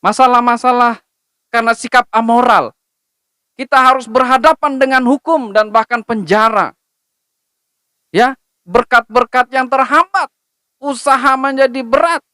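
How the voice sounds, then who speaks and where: A woman's voice: a little high, unhurried, pauses often, bright, forceful tone, clean tone, no room sound. A young woman preaching a sermon to a youth service, speaking in a direct, admonishing way and drawing on her own experience. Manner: direct, admonishing, personal testimony.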